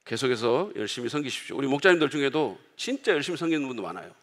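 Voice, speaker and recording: A man preaching as pastor to his congregation, in a conversational sermon style, loudly acting out the quoted outbursts of others. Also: mid-range voice, big pitch swings, racing, big-room sound. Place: church sanctuary.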